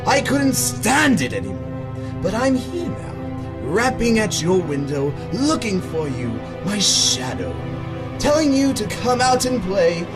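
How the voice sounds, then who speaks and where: An actor playing a sadistic, gleeful clown supervillain in an audio drama, with a theatrical, mocking, drawn-out delivery. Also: male voice, high-pitched, sing-song. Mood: theatrical longing. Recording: music under the voice.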